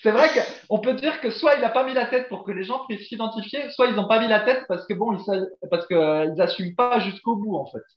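A man's voice: high voice, a little fast, hardly any pauses, muffled recording. A man hosting a podcast in casual chat, talkative with lots of fillers and frequent laughter. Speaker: podcast host.

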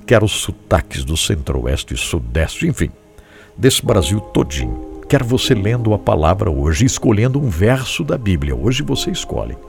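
Deep gravelly-voiced Brazilian radio host. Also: male voice, normal speed. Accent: Brazilian Portuguese. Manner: animated and encouraging, repeats phrases. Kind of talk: devotional radio show, addressing listeners. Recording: music playing behind the voice.

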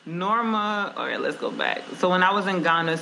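A woman's voice: lowish voice, lively intonation, normal speed, vocal fry, sharp tone. A woman from Honduras co-hosting a casual chat, frank and laughing as she tells stories and reads comments. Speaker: co-host reading viewer comments. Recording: roomy echo, faint noise.

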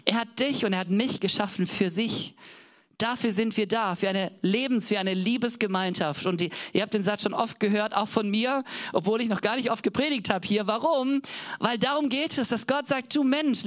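A man's voice: high-pitched, a bit bright. Passionate German preacher man. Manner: passionate, emphatic, asks the congregation rhetorical questions. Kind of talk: sermon.

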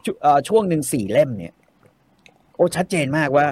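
A man's voice: on the high side, big pitch swings, brisk, darkish tone, no echo. A man talking casually and animatedly about novels, swearing freely and repeating words for emphasis. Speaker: guest discussing novels. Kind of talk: casual chat.

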